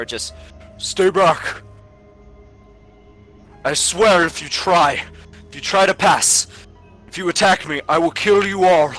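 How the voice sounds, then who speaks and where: A put-on character voice at middle pitch speaks fairly slowly, with faint music in the background. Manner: threatening.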